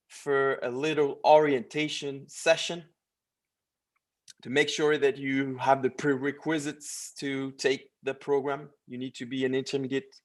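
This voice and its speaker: A man working as a language coach, presenting a course in a promotional, partly read-out style with short, emphatic phrases. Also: mid-range voice.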